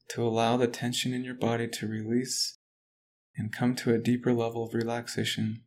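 A man leads a muscle relaxation exercise in a slow, calm, even manner. His voice stays level, with little rise and fall. There is a faint background noise throughout. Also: mid-range voice. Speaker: relaxation guide. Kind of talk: guided relaxation script.

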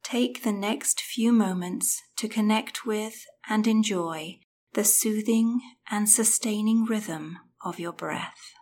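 A woman guiding a breathing meditation in a soft, soothing voice that often drops to a whisper. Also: medium pitch, slow pace. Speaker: meditation guide.

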